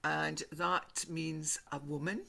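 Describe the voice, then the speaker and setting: A woman in her sixties with a Northeast Scots accent, a storyteller chatting as an interview guest in a lively storytelling way. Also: sits low, takes it slowly, creaky. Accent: Northeast Scots (Doric). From northeast Scotland. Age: 60s. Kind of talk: casual interview talk.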